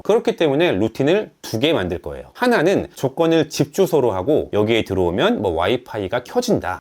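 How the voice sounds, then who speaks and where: A man giving a brisk, chatty smartphone tutorial as a voice-over. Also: medium pitch, darkish tone. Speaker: tech YouTuber.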